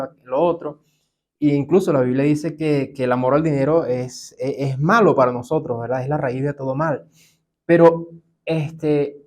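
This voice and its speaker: Unhurried Venezuelan man, church treasurer. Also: a little high, a little mellow. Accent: Venezuelan Spanish. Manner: unhurried, reflective, with frequent fillers and tag questions. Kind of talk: relaxed podcast interview.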